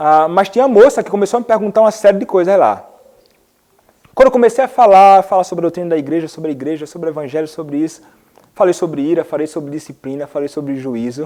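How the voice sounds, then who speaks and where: Speaking very fast, a man with a high voice keeps his intonation lively. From Brazil, Recife, Pernambuco. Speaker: pastor. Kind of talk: sermon.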